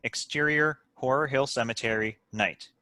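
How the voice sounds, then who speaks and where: A man delivers scripted narration as the reader of stage directions. His voice is medium in pitch and bright, with a crisp edge, in a very dry recording. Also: normal speed, dry recording. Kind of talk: scripted narration at a table read.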